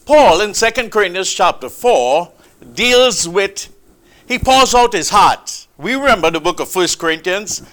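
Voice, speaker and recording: A man preaching a sermon, with a loud, booming, emphatic delivery, speaking into a microphone in a church hall. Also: lively intonation, a little slow. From Trinidad. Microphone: handheld or stand mic.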